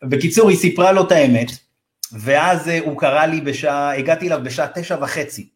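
A real estate advisor from Israel's Ethiopian community, his voice a little high, shares a story on a podcast in an easygoing, slang-filled way. He calls the listener "bro" and lively acts out what people said, raising his voice for the quotes.

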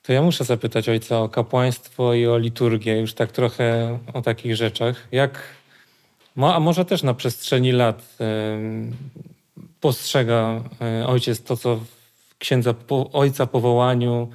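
A man's voice: mid-range voice, fairly even intonation, measured pace, darkish tone. A man conducting a respectful conversational interview, hesitantly searching for his words as he asks questions.

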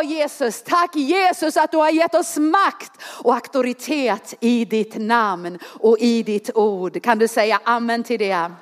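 A middle-aged woman preaching a passionate sermon, moving between soft, slow passages and loud, lifted ones, with a humorous aside. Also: fairly high pitch.

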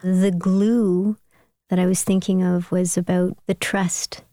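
A woman interviewer speaks slowly and carefully, framing long questions. Her voice is low-pitched and mellow. The sound is dry and close. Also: level tone, no room sound.

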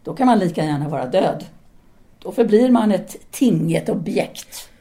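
A woman's voice: on the low side, lively intonation, warm tone. A woman playing a self-assured, seductive philosopher-teacher in an audio drama, speaking in an articulate, formal, lecturing manner. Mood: earnest, philosophical. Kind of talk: audio drama dialogue acting.

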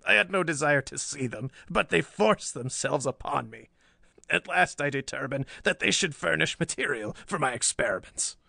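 A man's voice: on the high side, expressive, normal speed, vocal fry, sharp tone, dry recording, heavily acted. Mad old scientist villain, played by a male narrator: sullen, sly, theatrical snarl, pulp audiobook, dry close sound. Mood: sly, unrepentant. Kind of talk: dramatized pulp story reading.

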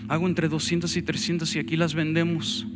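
A man's voice: fairly high pitch, level tone, fairly quick, natural voice. A man voicing an older church woman's eager offer inside a sermon, with music playing behind.

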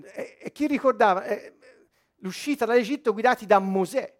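A man preaching a sermon, rising loud when he quotes scripture and dropping low to explain. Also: moderate pace.

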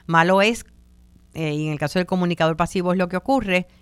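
A Puerto Rican woman hosting a talk on communication, relaxed and chatty, with many fillers, sometimes acting out other people's voices. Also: fairly low pitch, fast, clear, resonant tone, dry recording. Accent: Puerto Rican Spanish. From Puerto Rico. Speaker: radio host on communication and wellbeing. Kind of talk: conversational talk on communication styles.

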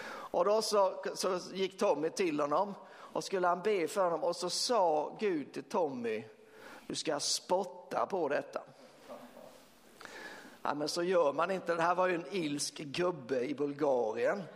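A man preaching as pastor, telling a story in a lively way with fillers and laughter. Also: a little high. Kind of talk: sermon storytelling. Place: church hall. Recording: long church reverb.

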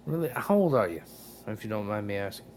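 A man's voice: fairly low pitch, lively intonation, quick pace, a little mellow, a little hiss or hum. A man of forty calling in to a talk show, blunt and provoking, swearing as he talks. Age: 40s. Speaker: caller.

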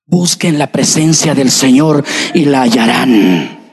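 A man preaching a sermon to his congregation, addressing them directly and swinging between shouting and hushed speech. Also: mid-range voice, animated, slow, vocal fry, breathy edge. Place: church sanctuary. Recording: long hall reverb.

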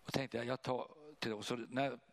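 A man preaching, telling a personal testimony in an animated way and acting out what others said. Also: medium pitch. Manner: animated, acts out voices of others. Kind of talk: testimony storytelling.

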